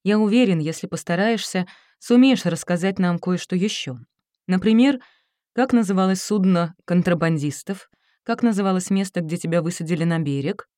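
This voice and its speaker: A woman's voice: on the low side, normal speed, mellow, no echo, clean studio sound, lightly acted. A woman narrator voicing a polite, patient adult male American interrogator who questions a young man in a friendly, coaxing way.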